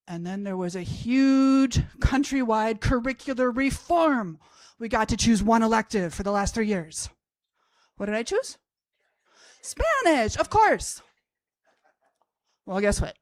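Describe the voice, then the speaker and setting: A woman's voice: on the high side, no room sound. A woman in her fifties from Austria, a language professor telling a humorous personal story on stage to an audience, wry and self-mocking. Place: college event stage before an audience.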